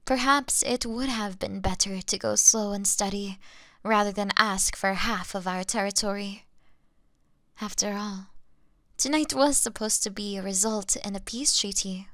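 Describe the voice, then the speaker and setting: A woman playing a young vampire in an intimate audio roleplay, refined, gentle and apologetic, speaking in formal, polite, deliberate phrases. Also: medium pitch, no room sound, clean studio sound. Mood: wistful, grave. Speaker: audio drama performer.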